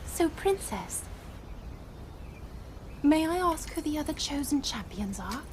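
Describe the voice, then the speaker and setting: An actress playing a kind, dutiful young princess who speaks with gentle encouragement in a game cutscene. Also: female voice, sits high, big pitch swings, slow pace, slight background noise, heavily acted. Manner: warm, encouraging, sisterly. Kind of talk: video game cutscene acting. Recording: game soundtrack under loud music.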